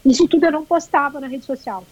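High-voiced Brazilian woman, emotional storytelling. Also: fast, darkish tone, highs cut off, slight background noise. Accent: Brazilian Portuguese. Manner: emotional, repetitive, colloquial with swearing. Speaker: marathon runner. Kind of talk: personal storytelling interview.

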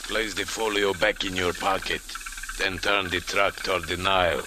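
A man's voice: low-pitched, steady tone, normal speed, noisy background, natural voice. An actor playing a sinister male henchman who gives clipped, threatening commands, in a 1940s radio drama.

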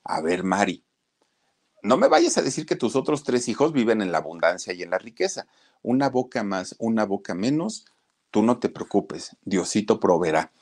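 A man's voice: fairly low pitch, sing-song, normal speed, darkish tone. A man playing a stern village doctor who scolds a patient. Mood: scolding. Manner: scolding, firm.

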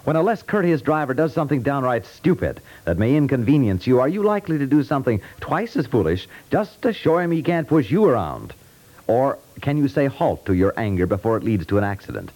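An American man announcing a scripted 1950s radio public service message, measured and persuasive. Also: medium pitch, very animated, darkish tone, poor audio.

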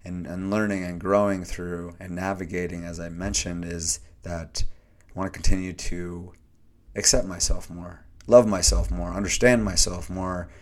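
A podcast host delivers a reflective solo monologue in a deep, monotone, slightly hoarse voice at a moderate pace. He rambles earnestly and searchingly, restarting often and using many fillers.

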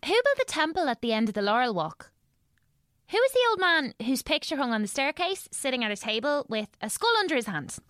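A woman acts a twelve-year-old orphan boy in an audio drama. The voice is high and very lively in pitch, well-mannered, earnest and full of curiosity. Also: a little fast, no echo, studio quality. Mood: curious, eager.

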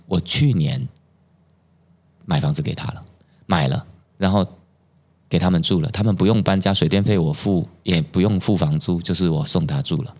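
A middle-aged man with a Taiwanese Mandarin accent, telling personal stories as a podcast guest and acting out the quoted dialogue. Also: deep voice. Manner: animated storyteller who acts out quoted dialogue. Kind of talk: personal storytelling in conversation.

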